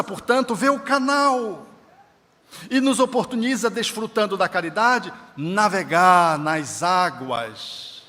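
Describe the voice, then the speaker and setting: A man's voice: sits high, bright, forceful tone, long reverb tail. A man giving an emphatic spiritist lecture at an event, in a preacherly way that quotes scripture. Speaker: spiritist speaker. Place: large event hall.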